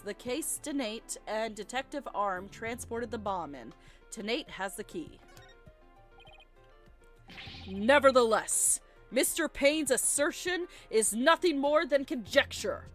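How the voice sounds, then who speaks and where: A woman with a high voice reads video game dialogue aloud for a playthrough. She takes her time, delivering lines slowly and theatrically with a playful streak. Faint game music runs behind her. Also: lively intonation, a bit bright. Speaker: let's player reading game dialogue aloud. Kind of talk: gaming playthrough with dramatic read-aloud of characters.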